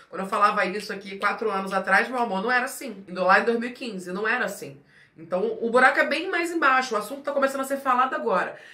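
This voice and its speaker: In a room with audible echo, a woman talks at a very fast pace, her tone animated and her intonation lively. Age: 30s. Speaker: youtuber. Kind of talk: casual vlog monologue. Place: home room.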